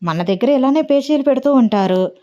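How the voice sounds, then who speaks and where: Woman doing a fed-up young mom scolding fast, lifts her pitch, kinda muffled lo-fi sound. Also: animated, dark tone. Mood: teasing. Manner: quick, scolding, exasperated. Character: sharp-tongued young mother scolding her kids and husband.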